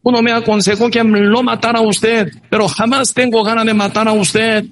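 A man's voice: high-pitched, flat delivery, moderate pace, a bit bright, a little hiss or hum, pitched above the performer's own voice. A man voicing a young male warrior who pleads his loyalty to a king, in an earnest, raised voice. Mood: pleading.

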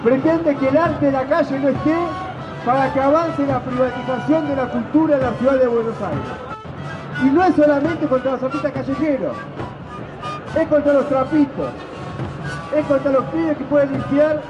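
A man's voice: extremely high pitch, normal speed. A man with an Argentine accent making a political protest statement. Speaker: protest speaker. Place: outdoors at a street protest. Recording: dull outdoor recording, music and crowd behind. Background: music and crowd.

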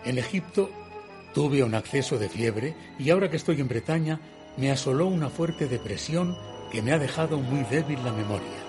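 Actor as a measured gentleman narrator over music. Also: mid-range voice, expressive, natural voice. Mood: reflective. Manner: measured, literary. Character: reflective gentleman painter narrating his own eerie tale. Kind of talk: scripted first-person radio drama narration.

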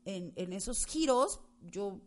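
A woman with a Mexican Spanish accent telling her story in a casual, animated chat and acting out her own past shouts. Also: medium pitch, slow pace.

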